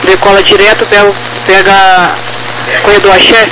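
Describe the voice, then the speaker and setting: Loud static on a crackly, military-sounding radio nearly covers a Brazilian man's high voice. He delivers clipped controller instructions in a flat tone. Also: normal speed. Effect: crackly radio transmission. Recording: very noisy crackly radio, engine-like noise.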